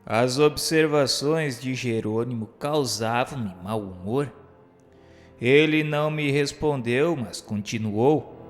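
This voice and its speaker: A man reading literary first-person narration for an audio drama in a solemn, formal, measured manner. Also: medium pitch. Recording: long reverb, music behind. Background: music.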